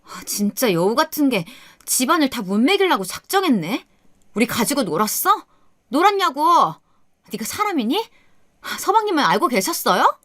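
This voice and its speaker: A woman's voice: sits high, big pitch swings, moderate pace, fairly bright tone, no echo, studio quality, pitched above the performer's own voice. A woman voicing a spiteful middle-aged sister-in-law who hurls accusations, in a radio story. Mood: furious.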